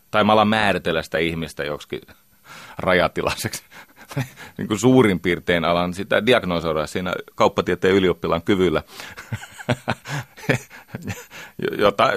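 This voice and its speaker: A man's voice: sits low, fairly bright tone, no room sound, clean studio sound. A middle-aged man giving a lecture as a communication trainer, emphatic and full of rhetorical questions.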